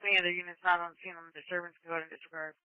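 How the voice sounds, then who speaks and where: A man's voice: high voice, level tone, racing, clean tone, dry recording. A man making emergency dispatch calls over a two-way radio. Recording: dull, band-limited radio channel.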